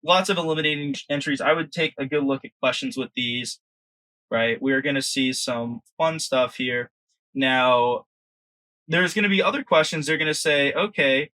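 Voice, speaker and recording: A man's voice: on the high side, pushed and bright, dry recording, poor audio. A man giving an informal lecture as an exam prep instructor, conversational and often checking in with the listener.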